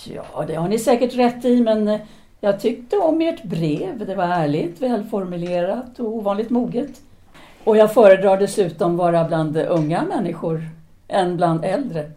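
Woman acting a mellow, self-assured intellectual teacher. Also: mid-range voice, expressive, natural voice. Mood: inviting, flirtatious. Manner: articulate, formal, lecturing. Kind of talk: audio drama dialogue acting.

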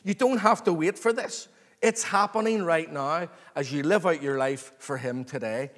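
A man preaching an expository sermon to a congregation, earnest, excited and emphatic, repeating phrases and calling for response. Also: a little high, normal speed. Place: large reverberant room, live before a congregation. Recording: long hall reverb.

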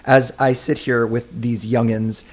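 A man in his fifties leads a relaxed podcast conversation. He talks in a chatty, easygoing way at a middle pitch. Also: unhurried. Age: 50s. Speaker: podcast host. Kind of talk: casual podcast chat.

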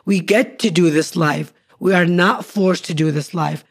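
A woman's voice: on the low side, a little slow. A woman in her forties co-hosts a casual podcast with her husband. She speaks earnestly and upbeat, building her points as short lists. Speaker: podcast co-host. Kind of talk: casual couple's podcast chat.

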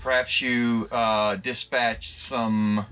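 A man's voice: medium pitch, little pitch movement, drawn-out words, pushed and bright. A man co-hosting a comedy podcast, rambling through silly paranoid tangents with plenty of swearing and laughter. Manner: rambling, profane, laughs often. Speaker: podcast co-host. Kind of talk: casual comedic chat.

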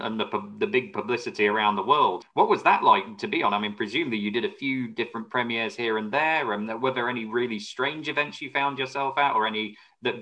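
A man's voice: on the low side, sharp tone, lo-fi sound. A man interviewing a guest, asking enthusiastic, conversational questions.

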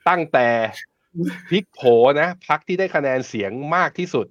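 A man's voice: a little high, expressive, normal speed, fairly bright tone, no echo, lo-fi sound. A man hosting a casual live finance talk show, speaking in a blunt, joking, conversational way. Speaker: host.

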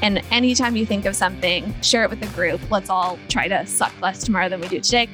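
A woman entrepreneur, a guest on the show, talking in an energetic, informal, motivational way. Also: medium pitch, quick pace, over music. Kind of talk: casual interview talk.

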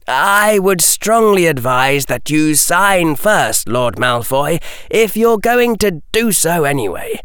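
An earnest, clever boy wizard argues his point firmly and carefully, as a male reader puts him on. His voice lifts higher and louder than the narration and rises and falls with emphasis. Slow, deliberate pacing. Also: very animated, clean tone, no echo, studio quality, exaggerated voice. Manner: firm, careful, raised voice. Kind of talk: audiobook character voice.

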